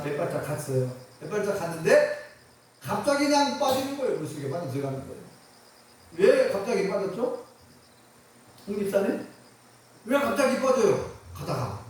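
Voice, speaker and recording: Animated male pastor in an echoey church. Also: fairly high pitch, a little hiss or hum. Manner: animated storytelling, acts out quoted voices, asks the congregation questions. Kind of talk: sermon. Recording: echoey hall, mic far off.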